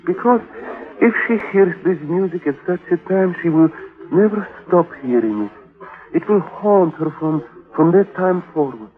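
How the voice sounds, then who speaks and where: An actor playing a superstitious, courtly gypsy violinist in a 1940s radio drama, formal and portentous in halting phrases, on a muffled recording. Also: male voice, sits high, lively intonation. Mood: foreboding.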